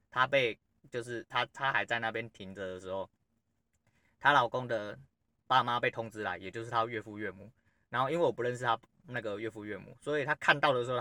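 A man with a medium-pitched, sharp-toned voice hosts a podcast in a dry recording. In a casual storytelling monologue, he tells a personal story bluntly and ramblingly, swearing freely.

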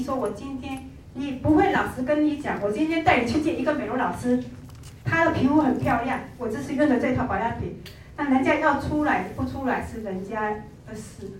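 A middle-aged woman gives a lively sales training talk, telling stories and acting out the people in them. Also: sits high, far from the mic, slight background noise. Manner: animated storytelling, acts out quoted people. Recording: echoey room, voice from off-mic.

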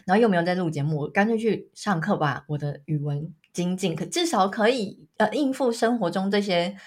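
Woman, 30s, from Taiwan, podcast co-host; husky, chatty storyteller. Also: on the low side, brisk, darkish tone. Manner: chatty storyteller, laughs often. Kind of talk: casual chat.

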